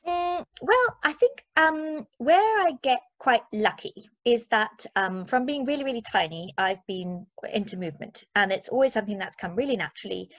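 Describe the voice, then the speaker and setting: A woman's voice: fairly high pitch, normal speed, hardly any pauses, no echo. Chatty woman in her forties, dry close sound. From Zimbabwe. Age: 40s. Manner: chatty, playful, expressive. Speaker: interview guest, mindset and movement coach. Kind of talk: casual conversational interview.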